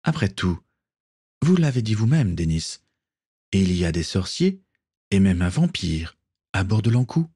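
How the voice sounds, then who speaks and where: A male narrator voicing a haughty ship captain with a smooth, formal and cold manner. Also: sits low, sing-song, a little slow, pauses often, dark tone, no room sound, clean studio sound, heavily acted. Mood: dismissive.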